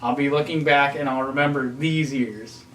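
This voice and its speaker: A man's voice: medium pitch, steady tone, moderate pace, a bit bright, a little hiss or hum. Rambling young man in a roomy room. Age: 20s. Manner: rambling, heavy use of "like". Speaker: podcast co-host. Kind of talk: casual chat among friends. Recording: roomy sound from a distance.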